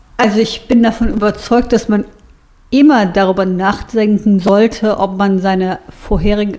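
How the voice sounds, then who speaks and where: Noticeable background noise sits behind a woman speaking at a fairly slow pace. Her pitch is medium and her intonation fairly even. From Germany, Düsseldorf. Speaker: lawyer. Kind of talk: interview.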